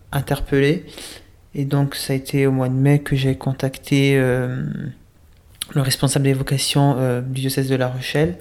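Young man in his twenties, seminary candidate, gravelly and flat delivery, hesitant and reflective, full of pauses. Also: mid-range voice. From Italy. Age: 20s. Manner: hesitant, thoughtful, many pauses and restarts. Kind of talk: casual interview answers.

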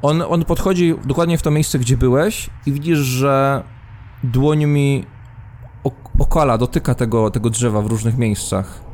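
Mellow-voiced man narrating a tabletop game. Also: medium pitch, normal speed. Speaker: game master. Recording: faint background noise.

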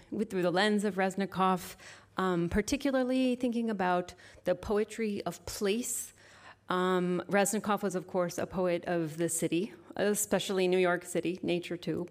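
A woman speaking as a poet at a live reading, with measured, deliberate phrasing into an event microphone. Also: fairly low pitch. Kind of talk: live poetry reading with informal introduction. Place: live literary event before an audience.

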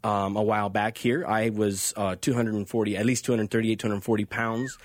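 A man's voice: fairly low pitch, flat delivery, a little fast, slight background noise. A man with an American accent hosting a Christian radio talk show, speaking earnestly and conversationally and repeating phrases for emphasis. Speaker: radio host and pastor. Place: radio studio. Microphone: close studio microphone.

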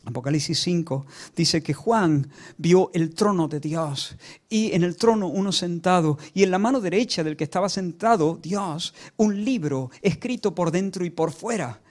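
A high-pitched male preacher delivers a dramatic sermon. He repeats words for emphasis and swings between near-whispers and ringing declarations. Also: moderate pace, darkish tone.

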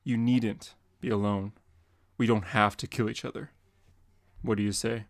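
A man voicing a grim, determined male masked vigilante in a dramatic comic reading, earnest and measured. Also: lowish voice, little pitch movement, dry recording, clean studio sound, lightly acted. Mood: pleading.

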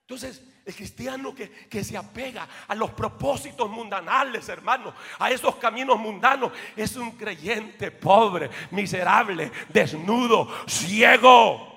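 A male pastor preaching a fiery sermon, shifting from loud shouts to quiet asides aimed at the congregation. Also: high voice, a little slow, vocal fry, in a large hall. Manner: swings between shouting and near-whispered asides, calls out to the congregation. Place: church.

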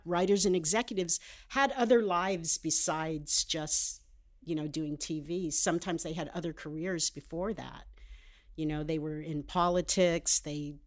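An older American woman, a television writer, speaking as a guest in a casual interview, measured and reflective. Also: lowish voice. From United States. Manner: measured, reflective, thinks aloud.

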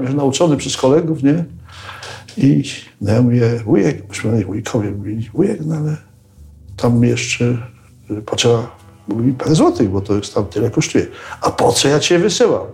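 An older man telling anecdotes in a casual, animated way, acting out what others said. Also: mid-range voice, creaky. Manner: animated storyteller who acts out quotes and tags lines with "nie?". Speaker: interviewee recalling militia days.

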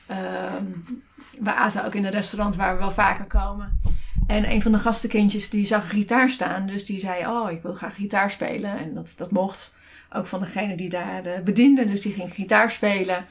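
A woman's voice: mid-range voice, steady tone, normal speed, gravelly. Dutch woman chatting, full of fillers. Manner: hesitant, many fillers and restarts. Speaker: podcast co-host. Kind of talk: casual conversational podcast. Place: at a desk beside her co-host.

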